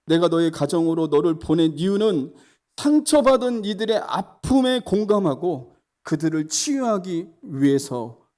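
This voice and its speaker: A male pastor voicing God as a gentle, apologetic, fatherly figure in a measured, consoling way. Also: fairly high pitch, very animated. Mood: tender.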